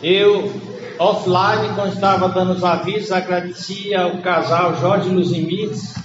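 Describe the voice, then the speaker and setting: A Brazilian man preaching a sermon as pastor, with a cold that makes his voice congested, teaching in an unhurried way and stressing key words. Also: high voice, steady tone. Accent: Brazilian Portuguese. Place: church hall. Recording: echoey hall, dull lo-fi sound, noisy background.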